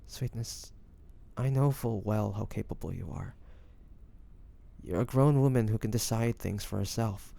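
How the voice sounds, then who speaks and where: Man acting a slow, gravelly, lovestruck young man. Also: on the low side, warm tone. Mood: earnest, confessional. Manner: hesitant, stammering, breathy sighs. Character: devoted young man, tender, nervous, lovestruck best friend. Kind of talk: intimate romantic audio roleplay.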